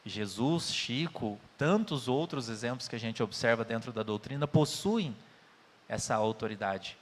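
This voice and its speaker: A man with a Brazilian Portuguese accent speaks earnestly in a conversational spiritist lecture. His voice sits in a middle pitch and carries a long reverb from the hall around him. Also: expressive, unhurried. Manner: earnest, tells anecdotes with quoted dialogue.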